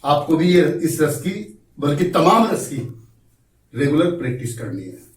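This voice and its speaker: A man teaching an acting class, explaining slowly, coaxing his students and acting out examples himself. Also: on the high side, very animated. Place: acting class room, indoors. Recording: roomy echo from far off, faint noise.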